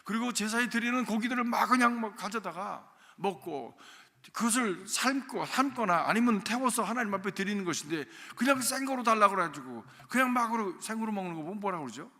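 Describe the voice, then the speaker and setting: Bright-voiced Korean pastor preaching in a hall. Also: male voice, sits high, animated, brisk. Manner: conversational, swings between loud emphasis and soft near-whispered asides. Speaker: senior pastor. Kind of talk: storytelling sermon. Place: church sanctuary. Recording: reverberant church sanctuary.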